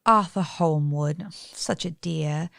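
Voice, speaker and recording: A woman's voice: low voice, slow pace, gravelly, no room sound, clean studio sound, heavily acted. A woman as bubbly, gushing young Lucy. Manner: gushing, chatty, excitable. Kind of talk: stage radio play acting.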